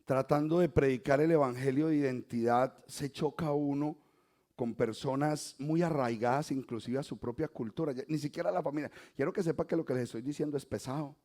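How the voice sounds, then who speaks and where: Colombian pastor preaching with dramatic swings. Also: male voice, mid-range voice, fairly quick. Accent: Colombian Spanish, softened toward neutral. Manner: swings from quiet asides to loud emphatic exhortation. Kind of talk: sermon.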